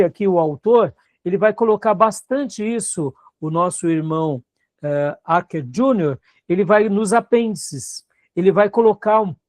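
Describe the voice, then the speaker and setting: A man's voice: high voice, a little mellow, no echo, studio quality. A man with a Brazilian Portuguese accent, a pastor teaching a seminary class in a conversational way and often checking in with his students. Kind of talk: classroom Bible lecture.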